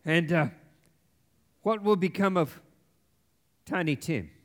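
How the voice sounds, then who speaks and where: A man playing an old miser, uneasy and pleading, with halting, anxious speech in a live stage radio play. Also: fairly high pitch. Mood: guarded. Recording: live stage recording in reverberant hall.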